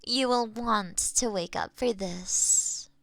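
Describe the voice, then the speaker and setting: A woman playing a doting, playful cat owner in an intimate ASMR roleplay, cooing and gently coaxing as if to a pet, close on a binaural microphone. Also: on the high side, takes it slowly, creaky, no room sound, heavily acted. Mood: tender, coaxing. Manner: cooing, teasing baby talk to a pet.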